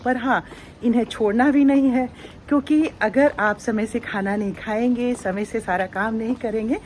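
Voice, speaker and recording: A woman's voice: on the high side, a little mellow, a little hiss or hum. A middle-aged woman narrating a casual daily vlog in a chatty, explanatory way. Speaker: vlogger and radio broadcaster.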